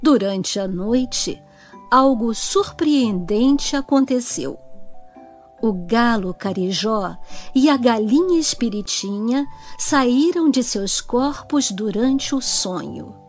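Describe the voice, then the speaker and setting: A Brazilian woman narrates a children's story. She speaks slowly and very expressively in a fairly high voice, with music playing underneath. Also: expressive.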